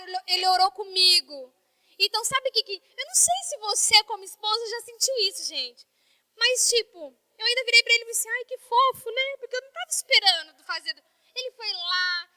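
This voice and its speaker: A woman pastor from Brazil preaches with a very high, bright, sharp voice. The sound is dry and close, with no room around it. She talks to the congregation in a chatty, heartfelt way. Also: no room sound. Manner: conversational, emotional preaching with quoted dialogue. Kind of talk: sermon.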